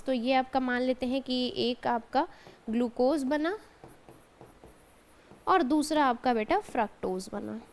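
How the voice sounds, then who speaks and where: A woman's voice: sits high, a little hiss or hum. A woman, a college chemistry lecturer, teaching a class step by step and checking in with her students as she goes. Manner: explains step by step, often adds "ठीक है" and calls students "बेटा".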